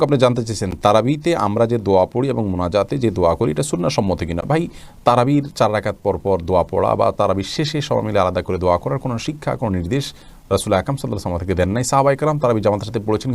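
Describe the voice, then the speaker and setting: A man giving a religious question-and-answer talk, reading each viewer's question aloud before explaining the ruling. He talks quickly, at a mid-range pitch, in a calm and explanatory tone. He speaks to the askers directly, as brother or sister.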